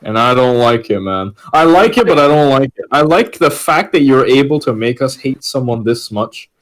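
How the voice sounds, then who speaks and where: A man's voice: medium pitch, animated, moderate pace, rough recording. A man hosting a podcast, giving casual commentary in a teasing, mock-dramatic way. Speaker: podcast host. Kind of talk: casual group chat, commentary.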